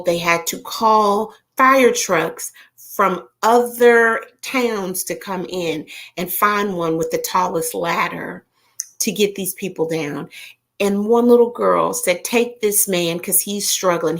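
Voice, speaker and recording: A woman with a Southern American accent, chatting casually with viewers on a livestream and telling stories in an animated way. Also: mid-range voice, vocal fry. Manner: animated storyteller, talks straight to viewers, frequent fillers. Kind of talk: casual chat.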